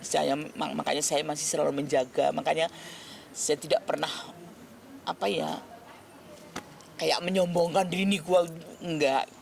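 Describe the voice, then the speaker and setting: A woman, answering interview questions earnestly and haltingly, often restarting words. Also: low voice, level tone, creaky, a little mellow, a little hiss or hum. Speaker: celebrity guest being interviewed. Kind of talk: emotional interview talk.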